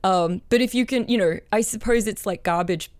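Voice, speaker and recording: A woman with an Australian accent, chatting as a podcast guest, excitable and quick to laugh. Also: medium pitch, dry recording. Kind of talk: casual chat.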